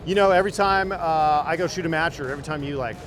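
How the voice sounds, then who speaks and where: A man's voice: on the high side, racing, a crowd in the background. A man working as a company rep, explaining products in an enthusiastic demo. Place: busy indoor trade show floor.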